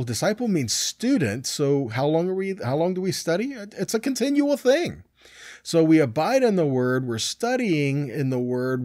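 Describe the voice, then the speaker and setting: A man's voice: fairly high pitch, darkish tone, no room sound, clean studio sound. A middle-aged man teaching scripture in an informal sermon, conversational and often answering his own questions. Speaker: Bible teacher.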